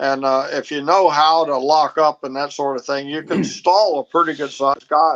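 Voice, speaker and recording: A man's plain, everyday voice, fairly high in pitch, at a moderate pace with fairly even intonation and a dry, close sound with no echo. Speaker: knifemaker. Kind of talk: casual chat.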